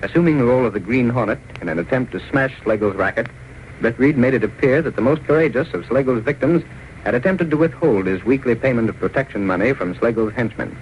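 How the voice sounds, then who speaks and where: A man narrating a 1930s radio drama in an even, declarative way. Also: medium pitch, fast talker, slight background noise. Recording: muffled old radio transcription.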